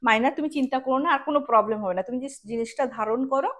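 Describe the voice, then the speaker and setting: A woman's voice: sits high, fast talker, fairly bright tone. A woman playing a reassuring astrologer neighbour who promises protection in an assured manner, in a told ghost story.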